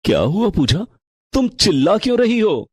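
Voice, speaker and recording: A caring, gentle young husband, voiced by a man for a cartoon. The voice is husky and sits in a middle pitch. It is recorded close and dry. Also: big pitch swings, moderate pace, no echo, full character voice. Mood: concerned. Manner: gentle, concerned.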